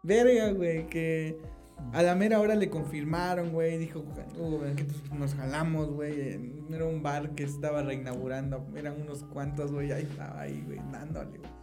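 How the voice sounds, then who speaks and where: A Mexican man hosting a casual interview podcast, relaxed, slangy and laughing along. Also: fairly high pitch, brisk, music in the background. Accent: Mexican Spanish. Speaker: podcast host.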